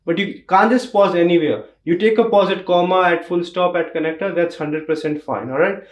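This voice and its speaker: Indian guy explaining test tips, kinda high voice, stresses stuff and says it twice, roomy echo. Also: a little fast. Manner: emphatic, repeats key points. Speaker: test prep teacher. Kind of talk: instructional tutorial.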